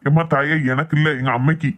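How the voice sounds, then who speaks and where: A woman's voice: sits low, fairly even intonation, fast talker, natural voice. Woman as a grumbling middle-aged husband. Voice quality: grumbling, sarcastic. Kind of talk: comic family skit.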